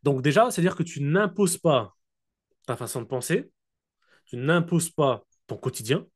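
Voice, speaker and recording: Brief: man, slightly high voice, casual direct coach, video call mic, dictates key points slowly. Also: expressive, husky. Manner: casual, direct, keeps asking listeners if they follow. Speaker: network marketing coach. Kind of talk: motivational coaching talk. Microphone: computer mic on a video call.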